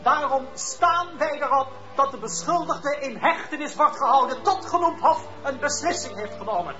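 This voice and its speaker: An insistent, high-voiced prosecutor. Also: male voice, expressive, normal speed, sharp tone, dull audio, faint music behind, heavily acted. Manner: formal, insistent. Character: insistent male prosecutor for the clergy. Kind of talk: radio play acting.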